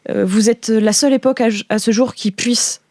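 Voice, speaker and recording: A woman's voice: fairly high pitch, fairly even intonation, fairly quick, a little mellow, dry recording, close to an everyday voice. A woman voicing a hesitant, polite and helpful man from a clandestine resistance group in an improvised science-fiction game, stammering as he speaks. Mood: earnest, hesitant.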